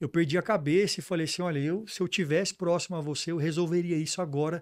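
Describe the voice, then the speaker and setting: A man speaks at a very fast pace and high pitch with fairly even intonation. The recording is very clean, with a silent background. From Brazil, Mato Grosso. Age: 40s. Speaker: entrepreneur and teacher. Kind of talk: podcast interview.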